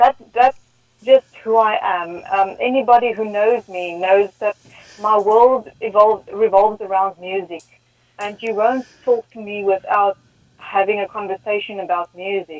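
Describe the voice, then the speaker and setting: A woman speaks in an Afrikaans South African accent at a fairly slow pace. Her intonation is fairly even, though her loudness swings widely. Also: medium pitch for a woman. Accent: Afrikaans South African English, West Coast. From South Africa, Melkbosstrand, West Coast. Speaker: musician. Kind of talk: interview.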